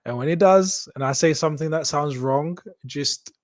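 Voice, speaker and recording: A host with a rather high voice, born in Congo and raised in Kenya, speaks English with a Kenyan accent, though it isn't his first language. Signing off his live show, he jokes upbeatly with viewers and often repeats his phrases. The studio-quality recording has no echo at normal speed.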